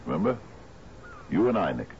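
A man's voice: low-pitched, very animated, moderate pace, vocal fry, over music, full character voice. An actor playing a lordly, exuberant old sea captain in a radio drama, hearty and musing, repeating his phrases. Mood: wistful musing. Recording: dull, hissy old radio broadcast recording.

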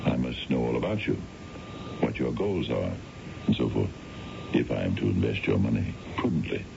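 Very deep, gravelly, suave businessman. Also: background noise, full character voice. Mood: courteous, smooth. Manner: polished, formal phrasing with hesitant pauses. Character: suave, courtly male financial adviser, flattering a client. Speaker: radio drama actor. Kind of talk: 1970s radio drama acting. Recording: dull vintage radio, music behind.

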